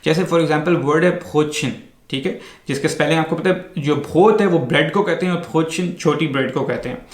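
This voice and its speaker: A man's voice: a little high, normal speed, reverberant. A man hosting a casual explainer vlog. He talks patiently, spells words out letter by letter and mixes English words into his sentences. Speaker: vlog host.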